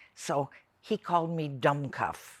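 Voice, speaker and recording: A woman speaks with an American accent. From US Midwest (South Dakota, then Missouri). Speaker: elderly woman sharing life memories. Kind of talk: personal storytelling. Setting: outdoors in her garden. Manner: casual, conversational.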